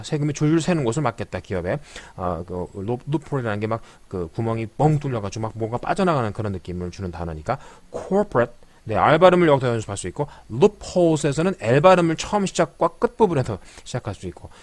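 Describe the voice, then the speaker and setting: Lively-voiced male pronunciation teacher. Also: medium pitch, dry recording. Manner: explains patiently, slowly repeating English phrases with stress; frequent filler affirmations. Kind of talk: spoken language lecture.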